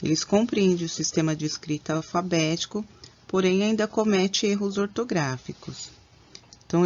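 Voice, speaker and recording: A woman's voice: on the low side, muffled recording. Woman reading a teacher-training talk. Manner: measured, explanatory. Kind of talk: reading prepared training presentation.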